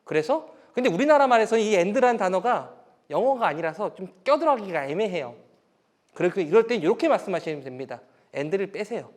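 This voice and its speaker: Lively high-voiced man teaching parents. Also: fairly quick. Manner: animated, acts out parent and child lines; explains step by step in plain terms. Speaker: parenting lecturer. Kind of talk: online lecture to parents.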